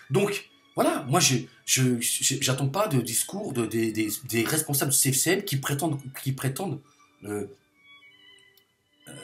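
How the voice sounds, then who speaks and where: Animated, emphatic man ranting. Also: on the high side. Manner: emphatic, hammers points by repeating phrases. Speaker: video commentator. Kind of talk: impassioned political monologue.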